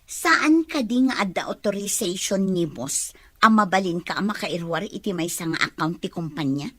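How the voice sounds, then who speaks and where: Animated, accusing female colleague played by a woman. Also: on the low side, normal speed, no echo. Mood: angry. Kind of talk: Ilocano audio drama acting.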